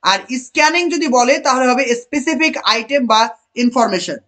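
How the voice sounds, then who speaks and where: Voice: high-pitched, lively intonation, pushed and bright. A teacher running an online exam-prep lesson, asking the class questions, repeating key answers and praising students by name. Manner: reads English options slowly.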